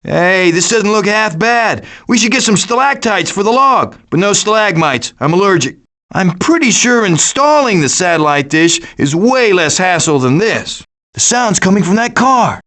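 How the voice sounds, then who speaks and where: A wisecracking raccoon gang leader from a cartoon video game. The voice sits high for a male and swings widely in pitch. The delivery is glib and cocky, with a sarcastic, scheming edge. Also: sing-song, normal speed, fairly bright tone. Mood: cocky, quipping. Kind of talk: animated video game voice acting.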